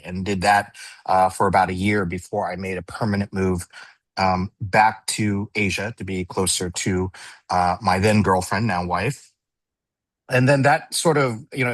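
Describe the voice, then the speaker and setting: A man in his fifties with an American accent, giving a relaxed, chatty self-introduction on a live online panel with plenty of "uh"s. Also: fairly low pitch, no room sound. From United States. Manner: relaxed, chatty, hesitant with many fillers. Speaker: venture capital panelist.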